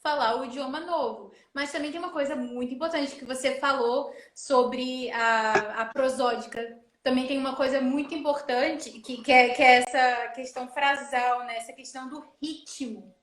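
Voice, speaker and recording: A woman hosting a casual live chat, talking in an animated way and acting out dialogue as she explains. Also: high voice, moderate pace, few pauses. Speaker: host. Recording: roomy echo.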